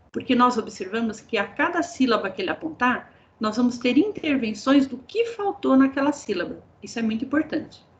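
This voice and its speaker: A woman with a Brazilian Portuguese accent leads a teacher training session online, explaining students' written work and often checking in with her audience. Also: a little high. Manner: explanatory, addresses audience as pessoal. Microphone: video call. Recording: dull lo-fi call audio.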